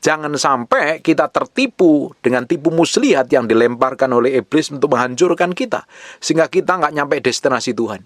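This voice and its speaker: A man's voice: fairly high pitch, expressive, brisk, dry recording, clean studio sound. A man preaching a sermon to a congregation, addressing them directly and repeating phrases for emphasis. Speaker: pastor.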